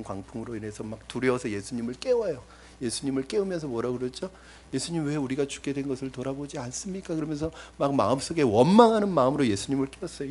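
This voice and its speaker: A middle-aged man preaching a sermon to his congregation, emphatic, addressing them directly and often quoting scripture. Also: a little mellow. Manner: emphatic preaching with big swings in pitch and volume. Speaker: pastor.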